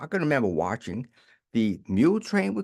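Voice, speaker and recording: Over a quiet background, a man's pitch swings very widely. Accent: New Orleans. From US South, New Orleans. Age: 80s+. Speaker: memoir storyteller. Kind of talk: personal reminiscence monologue. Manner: halting, repeats words.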